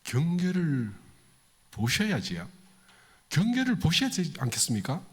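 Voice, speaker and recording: Addressing his congregation in a temple hall, this pastor keeps his sermon conversational, questioning the listeners and voicing the people he quotes with big shifts in pitch. He speaks unhurriedly in a slightly rough voice that swings hugely in pitch.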